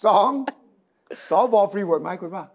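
A man's voice: normal speed, a bit bright. A man in a casual political talk show, analysing the news and pressing others with pointed questions. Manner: probing, asks pointed questions.

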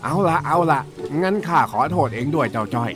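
A man's voice: on the high side, lively intonation, a little fast, close to an everyday voice. A man playing a grumpy, impatient old uncle in a children's radio drama. He scolds and blusters in rustic speech. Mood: grudging. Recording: music playing underneath.

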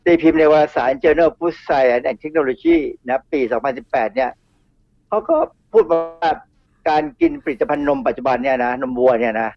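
A man's voice: mid-range voice, moderate pace, soft background music. A middle-aged man, a toxicologist guest on a radio show, explaining in a chatty way with asides and repeats. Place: radio studio. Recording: dull radio studio sound.

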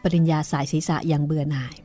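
A woman reading a horror novel aloud in a steady, measured way. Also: low voice, soft background music. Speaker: audiobook reader. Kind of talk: novel narration.

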